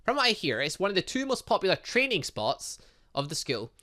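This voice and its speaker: A teasing young schoolgirl from a visual novel game, acted out by a man. The delivery is bright and lively, with a breezy know-it-all manner. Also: sits high, brisk, voice pushed up, exaggerated voice. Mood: matter-of-fact. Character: brash, teasing young female student in a top hat.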